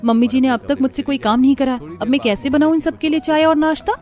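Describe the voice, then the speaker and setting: A woman voicing a timid young bride in a cartoon, speaking softly and meekly. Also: high voice, quick pace, faint music behind, close to an everyday voice. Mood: worried. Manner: soft, meek.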